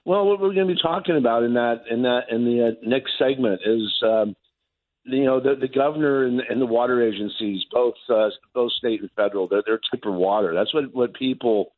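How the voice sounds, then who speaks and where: A hoarse middle-aged man giving a fishing report by phone, halting and repeating words with many fillers. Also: medium pitch. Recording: tinny phone line.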